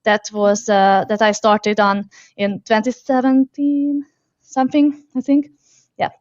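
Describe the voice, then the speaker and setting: Chatty Hungarian-born woman, high and dry. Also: flat delivery, a little slow, a little mellow, dry recording, muffled recording. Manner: hesitant, many fillers and restarts, laughs often. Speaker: guest. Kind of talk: casual interview chat.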